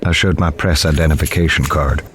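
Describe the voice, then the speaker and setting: A man's voice: very deep voice, steady tone, a little fast, noisy background. An actor playing a harried, determined newspaper reporter who narrates his own story in an audio drama. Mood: grim, matter-of-fact. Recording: roomy echo, faint ambience.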